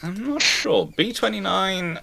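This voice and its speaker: A man's voice: high voice, expressive, unhurried, vocal fry, bright, forceful tone, a little hiss or hum. A man hosting a casual live discussion with technical commentary, emphatic and often repeating words as he thinks. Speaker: host of a live naval history discussion.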